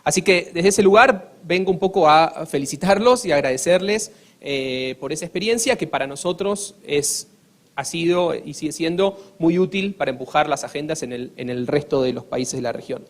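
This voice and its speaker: A man's voice: fairly high pitch, expressive, moderate pace. A man from Argentina with an Argentine accent, speaking earnestly on a panel, with many hesitations and restarts. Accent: Argentine Spanish. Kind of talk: formal panel talk.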